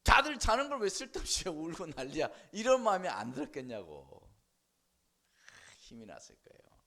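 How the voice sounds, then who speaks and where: This male pastor's voice sits a little high and moves at a moderate pace. Preaching animatedly in church, he prods the congregation to respond and performs the voices of the story's characters.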